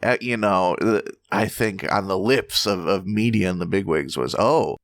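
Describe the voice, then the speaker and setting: A man's voice: sits low, normal speed, no echo, clean studio sound. A man co-hosting a podcast, chatting casually with jokes and a lot of swearing. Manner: animated, joking, swears freely. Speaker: podcast co-host. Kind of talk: casual comedic chat.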